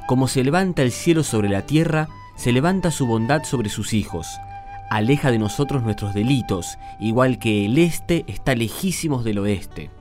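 A man's voice: mid-range voice, expressive, moderate pace, a little mellow, faint music behind, close to an everyday voice. A man with an Argentine accent speaking in a conversational radio drama style. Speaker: cast member of a religious radio show.

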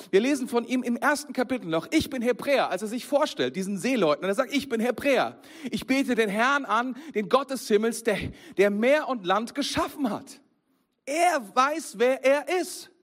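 Preacher guy, higher voice, chatty and punchy, talks right at the crowd. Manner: lively, conversational, addresses the congregation directly. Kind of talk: sermon.

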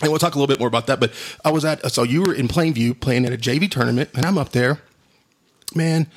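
A middle-aged man with a drawl tells stories in a booming voice that has a husky grain. He is animated and laughs easily, and he drops "dude" into almost every sentence. He speaks at a medium pitch for a man. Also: quick pace. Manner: animated, laughs often, says "dude" a lot. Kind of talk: casual storytelling chat.

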